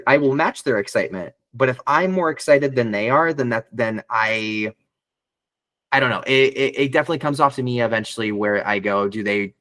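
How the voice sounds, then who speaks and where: A man's voice: fairly bright tone, no room sound. A man who is a voice actor, talking casually in an interview, rambling with many restarts and fillers. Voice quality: some bass in the voice. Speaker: voice actor guest.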